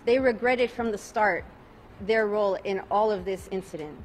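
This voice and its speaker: Woman, 40s, attorney, tired, calm, press microphones, outdoors at night, mid pitch, faint noise. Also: moderate pace. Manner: calm, repeats reporters' questions before answering. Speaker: attorney speaking to reporters. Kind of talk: press conference statement. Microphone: bank of press microphones.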